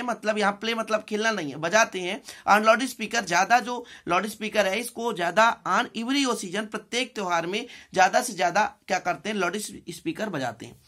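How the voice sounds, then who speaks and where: A woman with an Indian accent leads a bilingual English lesson, purposely repeating phrases, spelling words out, and checking in frequently. Her voice is medium in pitch with a fairly bright tone.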